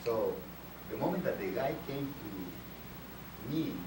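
A middle-aged man from El Salvador speaking to a college class as guest speaker, halting and repeating words, taped by a far camera. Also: medium pitch, lively intonation. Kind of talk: classroom talk. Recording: echoey room, from far off, hissy.

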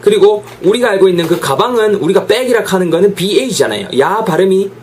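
A man teaching an English lesson with a lively voice, drilling pronunciation through repeated examples. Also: high-pitched, fast talker.

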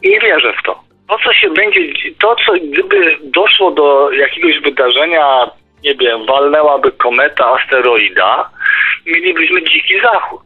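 A man's voice: fairly high pitch, normal speed, slightly rough. A man debating casually in an insistent, argumentative way, often repeating himself. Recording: tinny narrow phone line. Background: music.

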